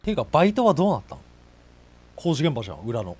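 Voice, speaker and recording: A young man commentating live on a horror game in rough casual speech, blurting exclamations and sarcastic quips. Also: fairly high pitch, huge pitch swings, racing, darkish tone. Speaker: game streamer. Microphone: desk streaming mic, indoors.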